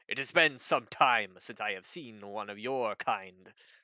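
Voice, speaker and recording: Putting on a booming, bellowing character voice, a man with medium pitch talks at a moderate pace in an amused tone. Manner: amused, booming.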